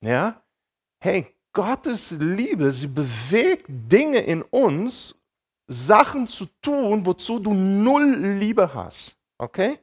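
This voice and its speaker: A man preaching a sermon in a casual, colloquial way, often checking in with his listeners with short tag questions and retelling dialogue as lively acted quotes. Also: high voice, drawn-out words, husky. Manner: colloquial, keeps checking in with "ja?" and "okay?".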